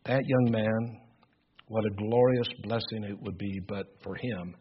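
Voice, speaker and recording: An older man preaching a sermon with a loud voice, earnest and emphatic, often repeating words as he builds his points. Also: on the low side, fairly even intonation, unhurried, a little hiss or hum. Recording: dull lo-fi recording.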